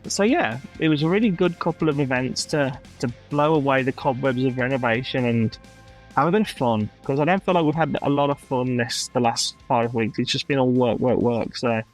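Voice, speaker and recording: A man's voice: mid-range voice, fairly quick, soft background music. A man co-hosting a casual podcast, enthusiastic and teasing, swearing casually. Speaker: podcast co-host. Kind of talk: casual chat.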